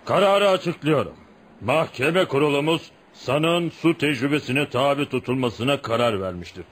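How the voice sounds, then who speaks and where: An actor playing an unbending, pompous tribal judge, formal and declamatory in a Turkish radio play. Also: male voice, mid-range voice, expressive, moderate pace, slightly rough. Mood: stern, authoritative. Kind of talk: Turkish radio theatre acting.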